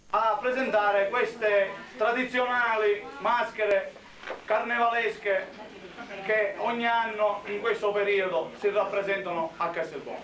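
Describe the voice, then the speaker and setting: Light background noise and audible room echo surround a man speaking at a fairly slow pace. His pitch is high and his intonation fairly even. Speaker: presenter. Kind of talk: public introduction speech. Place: hall. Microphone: old recording.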